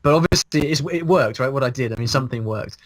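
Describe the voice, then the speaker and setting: A man in his thirties talks over a video call in a lively, thinking-aloud way, often restarting his phrases. His voice sits at a middle pitch. The sound is dry and close to the mic. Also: fast talker, no echo. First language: English. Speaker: guest, language blogger. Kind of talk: casual interview. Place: small room indoors. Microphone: video call, earphones, mic in front.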